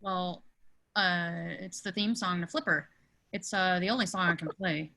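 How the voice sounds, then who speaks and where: Woman playing a low, bright, dejected teenage boy. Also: moderate pace, no room sound. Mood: sheepish. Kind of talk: amateur screenplay table read.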